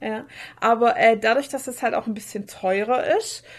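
A woman's voice: a little high, moderate pace. A woman chatting casually and eagerly as a podcast co-host, often jumping in.

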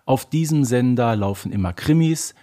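Male podcast guest, conversational commentary, medium-pitched voice. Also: lively intonation, moderate pace, dark tone.

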